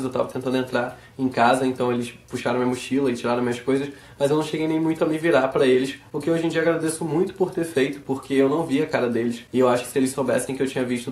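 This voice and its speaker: A man with a Rio de Janeiro Brazilian accent, a little hoarse from a sore throat, chatting informally and emphatically like a vlogger. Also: mid-range voice, a little mellow, roomy sound. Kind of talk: casual monologue to camera.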